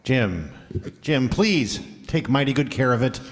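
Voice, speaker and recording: An actor playing a drawling, wisecracking uncle. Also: male voice, mid-range voice, animated, unhurried, close to an everyday voice. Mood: wry. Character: wisecracking uncle fond of drink. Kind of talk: 1940s radio comedy acting. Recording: reverberant old radio broadcast.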